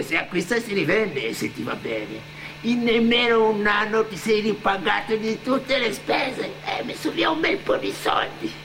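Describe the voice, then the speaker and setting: An actor playing a defiant young immigrant drug dealer in a colloquial theatrical monologue, swearing and throwing out pointed questions. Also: male voice, sits high, a bit bright, a little hiss or hum, full character voice, low-quality recording. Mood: matter-of-fact, defiant. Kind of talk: theatrical first-person monologue.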